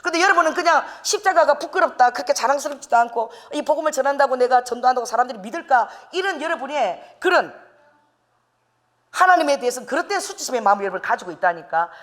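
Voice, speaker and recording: A middle-aged woman pastor preaching a sermon, animated, acting out the voices she quotes and laughing as she goes. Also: fairly high pitch.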